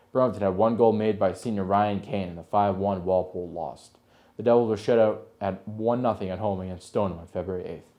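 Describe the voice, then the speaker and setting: Mellow low-voiced male sports reporter. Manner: steady score-by-score reading.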